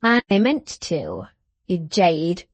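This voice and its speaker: A woman voicing a malicious, gleeful dwarf husband from a storybook, taunting with drawn-out, emphatic words. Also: fairly low pitch, wildly swooping pitch, no room sound, voice pushed down, exaggerated voice. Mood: mocking, spiteful.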